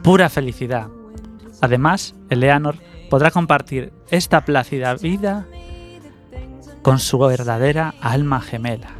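A man's voice: medium pitch, unhurried, soft background music. Man narrating a wry TV recap. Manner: wry, chatty storytelling. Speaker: video narrator.

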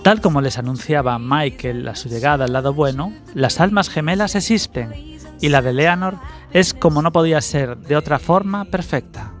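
A man's voice: fairly high pitch, moderate pace, soft background music. Man narrating a wry TV recap. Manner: wry, chatty storytelling. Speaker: video narrator.

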